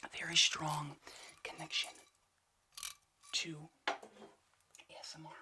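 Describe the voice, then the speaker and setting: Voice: medium pitch, completely flat delivery, slow pace. A person whispering an ASMR roleplay as an obsessive, paranoid conspiracy theorist, rambling and stammering over repeated phrases with urgency. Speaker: ASMR video creator.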